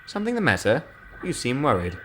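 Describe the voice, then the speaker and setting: A man's voice: mid-range voice, huge pitch swings, brisk, background noise, pitched above the performer's own voice. A man voicing a kindly, polite older male engine who gives friendly advice, in a storybook reading. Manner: gentle, friendly, advising. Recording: music playing clearly behind.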